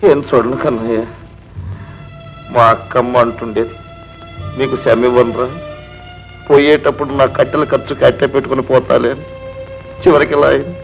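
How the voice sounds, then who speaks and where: A man's voice: mid-range voice, flat delivery, moderate pace, vocal fry, long pauses, faint music behind, close to an everyday voice. An actor playing a poor, middle-aged village uncle who mourns his sister in a heavy, lamenting way. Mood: grieving. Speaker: grieving uncle. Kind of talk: 1970s Telugu film acting. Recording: dull old film soundtrack.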